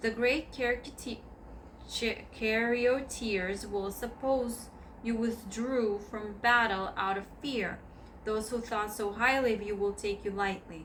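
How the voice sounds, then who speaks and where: A woman speaks with fairly even intonation in a room with audible echo. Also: fairly high pitch for a woman, fairly slow pace. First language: not English. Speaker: spiritual book reader, health practitioner. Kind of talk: reading aloud; casual aside. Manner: halting, stumbles over words.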